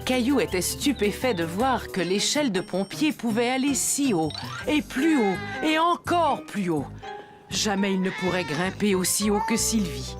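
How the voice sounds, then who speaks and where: A woman as an animated children's story narrator. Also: mid-range voice, moderate pace, natural voice. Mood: warm storytelling. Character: gentle female storybook narrator. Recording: music behind the voice.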